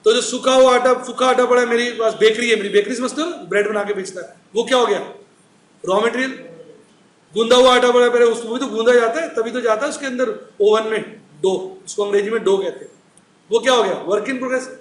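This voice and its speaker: A middle-aged man gives a chatty classroom lecture on accounts, throwing questions at the class and answering them himself. His voice sits very high. The room is echoey, with a faint hiss underneath. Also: a little fast. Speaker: accounts teacher.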